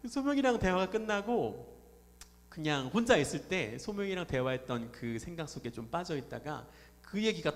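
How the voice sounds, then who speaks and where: A man preaching a Sunday sermon as pastor, talking conversationally and putting questions to the congregation. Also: mid-range voice. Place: church sanctuary. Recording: reverberant church hall.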